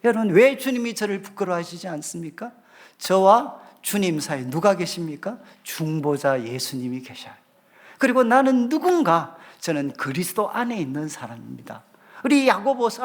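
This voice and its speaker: A middle-aged male pastor giving a revival sermon, acting out his prayers and God's replies. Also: sits high. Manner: animated, with voiced quotes of prayers.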